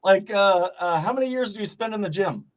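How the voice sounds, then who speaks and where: A man's voice: high-pitched, lively intonation, fairly quick. A man hosting a casual interview, joking, swearing freely and laughing often. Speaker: host.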